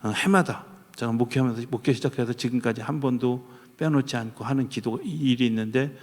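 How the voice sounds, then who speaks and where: Korean pastor preaching in a reverberant church. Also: male voice, mid-range voice, darkish tone. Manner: humorous storytelling, rising to fervent emphasis. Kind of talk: sermon. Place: church sanctuary.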